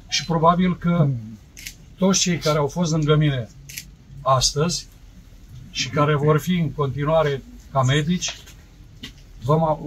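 A man's voice: fairly high pitch, fairly bright tone, a little hiss or hum, rough recording. Determined plain-spoken man in his seventies. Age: 70s. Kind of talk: speech at an outdoor inauguration. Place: outdoor tent at a ceremony.

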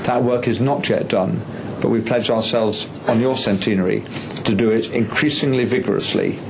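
A man at a medium pitch delivers a formal reception speech as a member of parliament. He is measured and pauses often on "uh". Clear background noise runs under his voice throughout. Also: fairly even intonation.

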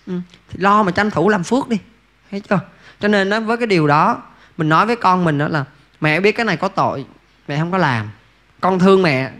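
Male monk preaching casually, high and bright, keeps asking "see?". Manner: folksy, asks listeners rhetorical questions. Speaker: Buddhist monk teacher. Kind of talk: Buddhist dharma talk answering questions.

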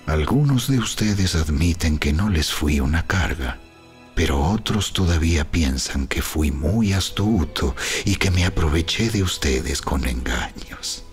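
Earnest apostle in audio bible, booming biblical narration, really deep voice, music behind. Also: male voice, lively intonation, measured pace. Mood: solemn, humble. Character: Paul, earnest, humble male apostle. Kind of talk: dramatized scripture reading.

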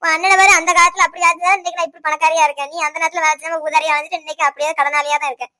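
A woman's voice: extremely high pitch, level tone, rapid-fire, pushed and bright. Woman playing a blunt scolding sister-in-law. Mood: lecturing. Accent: Tirunelveli Tamil. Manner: lecturing, blunt, money-minded. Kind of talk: animated cartoon voice acting.

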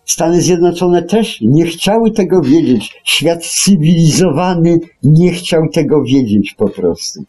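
Mellow man, sardonic radio commentary. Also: on the high side, lively intonation, unhurried, few pauses, husky, faint music behind. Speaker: radio show co-host.

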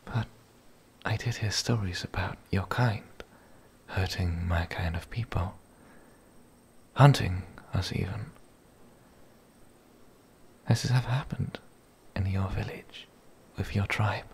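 A very low, creaky male voice for a gentle, lonely werewolf played by a man in an ASMR roleplay. He whispers much of the time, shy and hesitant, with soft breathy phrasing. A light hiss and ambience sit behind him. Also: exaggerated voice. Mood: wary, questioning. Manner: hesitant, halting, soft-spoken.

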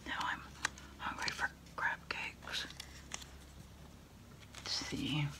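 A middle-aged woman doing a hushed ASMR roleplay, unhurriedly taking orders into a phone handset. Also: drawn-out words. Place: small indoor desk space.

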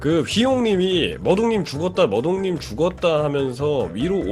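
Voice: sing-song, normal speed, a little mellow, soft background music. A player in an online game talking through a voice changer that shifts the voice far down, casual and urgent. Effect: voice pitched far down by a voice changer.

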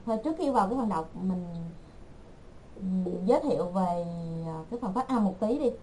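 A woman teaching an online language class, repeating words slowly and patiently for her learners. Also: medium pitch, lively intonation, mellow, slight background noise, rough recording.

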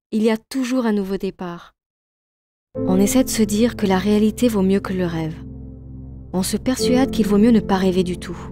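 A woman's voice: on the high side, no echo, studio quality. A woman, a voice actress, reading an inspirational scripted narration. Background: soft music.

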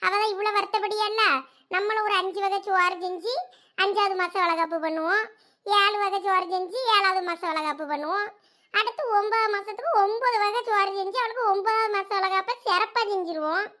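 In a village comedy skit, an actress plays a bossy yet caring elder sister from the village, teasing and scolding in a Thoothukudi Tamil accent. Her voice is very high-pitched, brisk, pushed and bright.

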